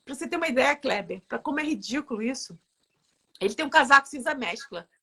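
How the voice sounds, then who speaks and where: Bright high-voiced chatty woman. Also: fast talker, gravelly, breathy edge. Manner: lively storyteller, laughs often. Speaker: therapist guest. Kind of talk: casual interview chat. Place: live online interview.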